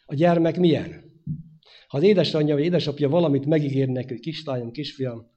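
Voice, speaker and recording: A man preaching a sermon, his delivery swinging from loud emphatic phrases to hushed endings. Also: medium pitch, slightly rough. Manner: dynamic preaching, rising loud then dropping to hushed.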